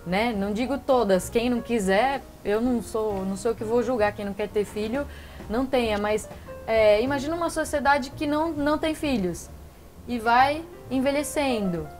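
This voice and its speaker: A woman who was once a musician, talking as a panel guest, lively and making a case. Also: on the high side, moderate pace, faint music behind. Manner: lively storyteller, argumentative. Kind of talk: casual talk-show conversation. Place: living-room studio set.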